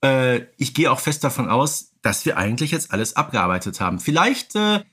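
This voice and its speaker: Male podcast co-host, middle-aged, husky mid-range voice, conversational. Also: mid-range voice, very animated, brisk, a bit bright. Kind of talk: casual podcast discussion.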